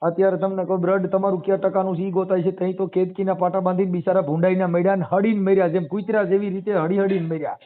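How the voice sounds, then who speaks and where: With a Saurashtra Gujarati accent, a man talks fast in a high, level voice, hardly pausing at all. Over a muffled, narrow-band telephone line, he pushes his views emphatically in colloquial speech peppered with rhetorical questions.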